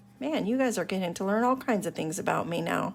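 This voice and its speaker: A woman speaks in a dark, mellow tone with ordinary pitch variation. The recording is very clean, with a silent background. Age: 40s. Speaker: art teacher. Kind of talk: live-streamed drawing tutorial for kids.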